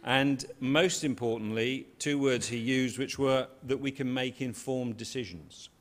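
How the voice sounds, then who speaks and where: A man's voice: mid-range voice, unhurried. A man moderating a conference panel in a chatty, informal way. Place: conference hall.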